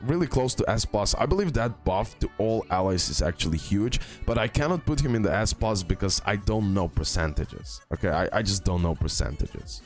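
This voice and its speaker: Deep voice guy, casual gaming youtuber thinking out loud, bit of music behind. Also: lively intonation, normal speed, few pauses. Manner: hesitant, thinking aloud, repeats phrases for emphasis. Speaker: video game YouTuber. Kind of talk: casual game tier-list commentary. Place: indoor screen-recording voice-over.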